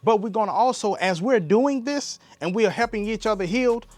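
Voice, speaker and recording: A man's voice: high voice, a little fast, darkish tone, no room sound. A man from Alabama with a Southern Black American accent hosting a casual solo podcast, talking straight to listeners in a folksy way full of rhetorical questions. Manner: folksy, direct address with rhetorical questions and endearments like "baby". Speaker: podcast host.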